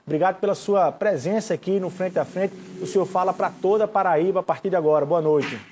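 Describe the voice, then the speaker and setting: A man's voice: high voice, brisk, a little mellow, slight background noise. A man presenting a live political interview show as its host.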